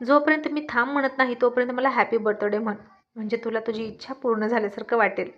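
In a dull, lo-fi recording, a woman reads a storybook and voices a playful, teasing young husband with a coaxing manner. Her natural voice sits fairly high, her tone stays steady, and she talks fast.

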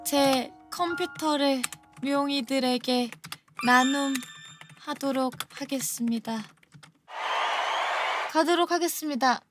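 A woman's voice: high-pitched, slow, long pauses, over music. A woman livestreamer chatting casually with viewers in a cute, playful, dramatic anime-style manner. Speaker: livestreamer host.

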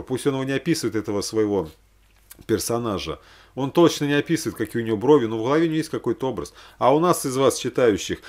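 A man's voice: medium pitch, darkish tone. A man in his forties talking casually and unscripted, rambling and thinking aloud with hesitant asides. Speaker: religious vlogger recommending films. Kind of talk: casual, unscripted chat to camera. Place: small room at home, indoors.

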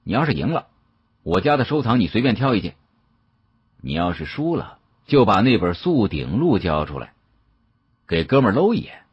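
Male narrator as sneering young heir in an audiobook: brash, slangy, husky, very animated pitch. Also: normal speed, long pauses, no room sound, dull audio, full character voice. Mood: challenging. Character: cocky, sneering young man of antiques dynasty.

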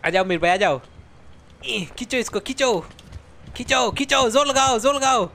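A man streaming a multiplayer game, laughing a lot, yelling for help and coaching his friends. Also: extremely high pitch, moderate pace, vocal fry. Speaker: gaming streamer. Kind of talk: excited multiplayer gameplay commentary.

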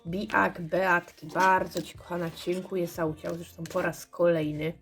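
A hoarse woman calmly commenting while she scratches lottery cards and checks the symbols. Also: on the low side. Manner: slow, murmured checking of symbols. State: hoarse, clearing throat. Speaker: scratch card vlogger.

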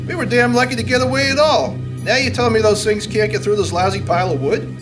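A man's voice: high voice, quick pace, lightly acted. A man playing an irritable, stubborn, fearful family man, argumentative and insistent, in a radio play. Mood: stubborn, irritated. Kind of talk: stage radio-play acting. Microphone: stand microphone on a stage. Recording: music under stage performance.

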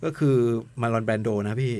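Male radio co-host, relaxed and rambling, average pitch. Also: fairly quick, dry recording. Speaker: radio film show DJ. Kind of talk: casual radio chat.

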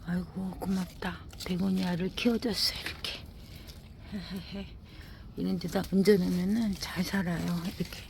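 A woman's voice: on the low side, fairly even intonation, moderate pace, creaky, noisy background. A woman giving a casual commentary while showing her indoor winter garden, sighing over her plants and now and then talking to them and her dog. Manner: talks to plants and scolds her dog, frequent sighing exclamations. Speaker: gardening vlogger.

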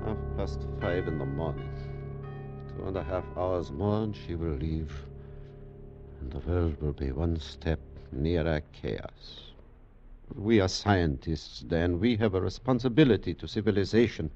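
An actor playing a grave, insistent older doctor, speaking urgently and emphatically in a 1940s radio drama. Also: male voice, low voice, a little slow, dark tone, faint music behind. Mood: grave, resolute. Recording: muffled, slightly noisy 1940s radio recording.

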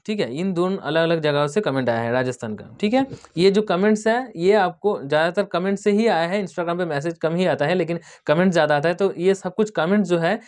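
A man's voice: fairly high pitch, a little mellow. A man from India hosting a tech channel, casually going through viewer comments, spelling out place names letter by letter and often repeating "okay".

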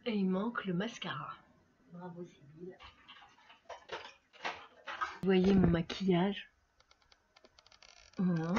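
A tired middle-aged beauty vlogger chats casually to the camera while doing her makeup, often laughing and speaking directly to her viewers. Her voice is lowish and warm, with fairly even intonation, a slow pace and frequent pauses. The home recording sounds slightly dull, with faint noise.

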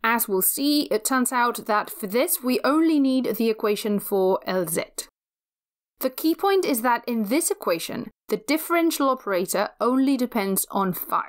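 A woman giving a scripted physics lecture, explaining step by step in a measured, methodical way. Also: on the high side, animated.

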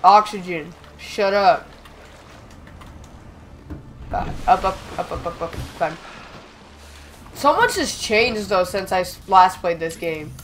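A young man with a slightly raspy voice from being sick, chatting excitedly as he plays and talks back to the game. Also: sits high, slow, pauses often, a little hiss or hum. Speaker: gaming channel host. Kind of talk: casual gameplay commentary.

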